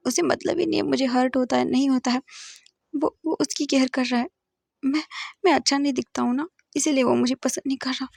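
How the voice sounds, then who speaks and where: A woman's voice: sits high, fairly even intonation, brisk, gravelly, a little mellow, slightly rough, no echo, studio quality, pitched above the performer's own voice, full character voice. A woman voicing a drunk, jealous young man who stammers and repeats his words in a hurt, whiny way, in a storybook reading. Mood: drunk, sulky.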